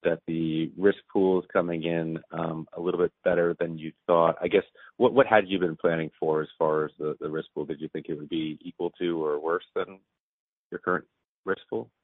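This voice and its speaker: Male analyst, extremely low pitch, roundabout conversational questions, dry narrow telephone sound. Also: steady tone, moderate pace, no room sound. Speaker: financial analyst asking questions. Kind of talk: conversational questioning on an earnings call.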